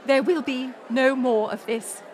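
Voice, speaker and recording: A woman's voice: sits high, steady tone, measured pace, darkish tone, slight background noise. A woman playing a proud, weary middle-aged queen mother in a dramatic audio roleplay, formal and commanding. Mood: commanding, defensive. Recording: music and crowd murmur behind. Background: music and banquet crowd.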